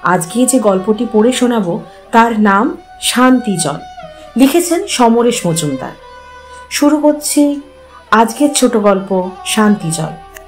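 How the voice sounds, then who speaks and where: A woman who hosts her own story channel, reading a short story aloud in a calm, even storytelling manner. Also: fairly high pitch, slow, pauses often, soft background music. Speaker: story narrator and channel host.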